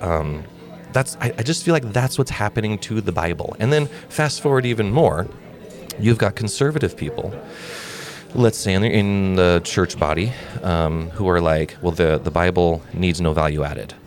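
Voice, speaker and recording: With an American accent, a man speaks at a fairly low pitch and a moderate pace, his pitch swinging very widely over noticeable background noise. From Montana. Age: 40s. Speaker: podcast co-host, Marine veteran. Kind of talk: casual chat.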